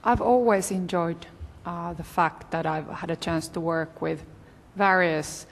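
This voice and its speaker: A woman's voice: lowish voice, steady tone, measured pace, creaky. A woman giving frank panel remarks on a conference stage, laughing easily. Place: large conference hall stage. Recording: long hall reverb.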